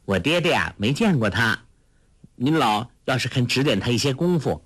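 A man's voice: big pitch swings, fairly bright tone, slightly rough, no echo, clean studio sound. A man voicing a clever, playful teenage girl in a storybook reading, in a raised, coaxing voice. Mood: pert. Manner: high, quick, coaxing.

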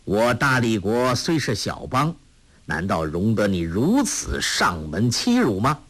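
A man voicing a gentle, grave old monk who speaks in a measured, soft way, in a storybook reading. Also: lowish voice, very animated, full character voice. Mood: stern.

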